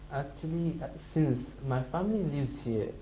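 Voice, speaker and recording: A man with a Somali accent talks at a moderate pace with ordinary pitch variation. Room echo is audible. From Somalia. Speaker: international student. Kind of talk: interview. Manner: hesitant.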